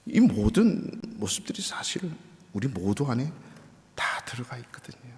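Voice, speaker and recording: A middle-aged man preaching a sermon as pastor, telling stories, acting out voices and dropping at times to a soft whisper. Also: mid-range voice, big pitch swings, moderate pace. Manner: storytelling, acts out voices, drops to soft whispers. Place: church sanctuary. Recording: reverberant church hall.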